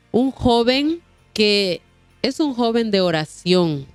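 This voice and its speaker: A woman's voice: mid-range voice, dry recording. A woman hosting a Christian programme, speaking in a courteous, devout, repetitive way. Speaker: host of a Christian testimony programme. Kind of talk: warm religious interview talk.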